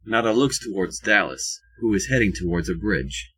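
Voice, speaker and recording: A man with a husky voice reading scripted audio drama narration, with wry asides. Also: on the low side, expressive, normal speed, fairly bright tone.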